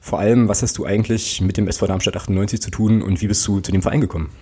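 A man's voice: lowish voice, steady tone, rapid-fire, warm tone, breathy edge. A man hosting a casual fan podcast, chatty and joking, with lots of fillers. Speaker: podcast host.

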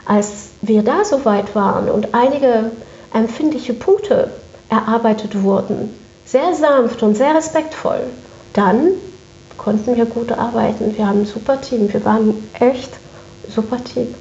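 A woman's voice: a little high, measured pace, mellow. A woman speaking as an interview guest, recounting her work conversationally and repeating phrases for emphasis. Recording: echoey room, dull muffled sound.

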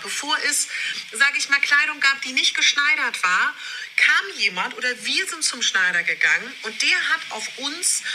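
Woman, passionate motivational talk, emphatic repetitions, bright tone, re-recorded video audio with poor sound quality. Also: high-pitched, slight background noise. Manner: passionate, emphatic, repeats words for effect. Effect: video audio re-recorded for the podcast, poor sound quality. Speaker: podcast host. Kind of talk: motivational self-love talk. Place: friend's garden shed.

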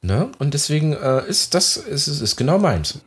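A man's voice: on the high side, very animated, moderate pace. A man co-hosting a casual podcast, chatty and friendly, addressing the listeners directly and laughing easily. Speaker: podcast co-host.

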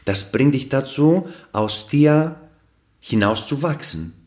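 A non-native English-speaking man, whose first language isn't German, explains ideas earnestly as a podcast guest, using everyday examples along with many fillers and restarts. His medium-pitched, darkish voice has lively intonation and a slow pace, and the talk is casual and explanatory.

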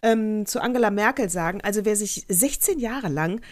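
A woman's voice: mid-range voice, expressive, normal speed. A woman co-hosting a casual podcast chat, teasing and joking with her partner. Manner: teasing, joking, swings up into loud squeals. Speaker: podcast co-host.

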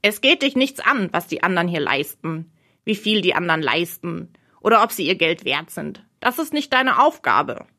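A woman's voice: on the low side, big pitch swings, normal speed, pushed and bright, full character voice. A woman voicing a blunt, provocative male bird in an audiobook, questioning and challenging the heroine. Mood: needling. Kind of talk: audiobook role reading.

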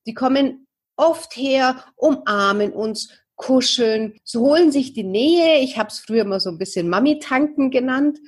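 A woman in her thirties with a husky, high-ish voice, a parenting coach, gives a talk to parents about love languages. She addresses listeners directly and asks them many questions.

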